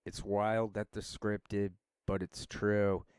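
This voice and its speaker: A man's voice: lowish voice, level tone, slow pace, a little mellow, smooth, dry recording, studio quality. A man rambling through a casual solo monologue as a vlogger, wandering from thought to thought. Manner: rambling, meandering talk.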